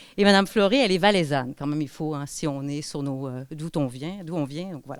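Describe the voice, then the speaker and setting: Her pitch is very deep and low, and the woman's voice moves with ordinary pitch variation. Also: fairly quick pace, big swings in loudness. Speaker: professor. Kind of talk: conference lecture.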